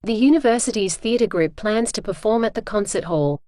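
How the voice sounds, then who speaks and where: A woman's voice: mid-range voice, moderate pace, warm tone, no room sound, studio quality. A woman reading scripted practice sentences aloud for an English exam lesson.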